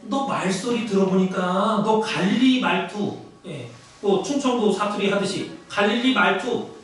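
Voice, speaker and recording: A man's voice: sits high, animated, measured pace. A man voicing bystanders who accuse a frightened disciple in a jeering tone. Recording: very echoey church hall, distant mic.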